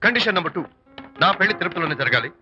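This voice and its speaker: A smug, quirky groom-to-be. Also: male voice, high-pitched, expressive, very fast, full character voice. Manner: self-satisfied, lays down conditions. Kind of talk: film comedy dialogue. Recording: dull film sound with loud music.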